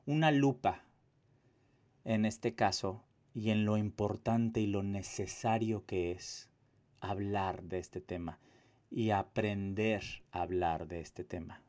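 A man's voice: fairly low pitch, fairly even intonation, slow, darkish tone. A man giving a personal testimony monologue, emphatic, with repetition and rhetorical questions. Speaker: activist and abuse survivor telling own story.

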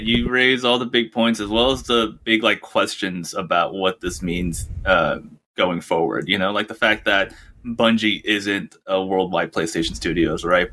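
Deep, forceful man on a podcast panel. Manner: filler-heavy, loose. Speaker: podcast co-host. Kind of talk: casual panel discussion.

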